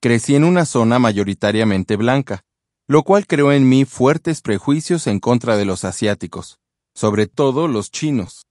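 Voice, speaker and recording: A man from Australia calmly reading his own personal testimony as a voice-over. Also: medium pitch, measured pace, dry recording, clean studio sound. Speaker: testimony speaker.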